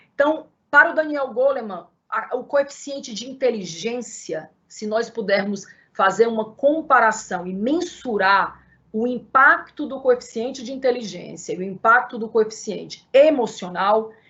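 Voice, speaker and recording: A woman's unremarkable speaking voice, fairly high-pitched and at a fairly slow pace, with big swings in loudness. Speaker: invited speaker on mental health. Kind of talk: online talk.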